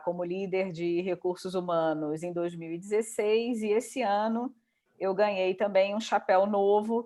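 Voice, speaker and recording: Unhurried Rio woman, lowish voice. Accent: Brazilian, Rio de Janeiro. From Rio de Janeiro, Brazil. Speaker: human resources director, panelist. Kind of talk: panel self-introduction.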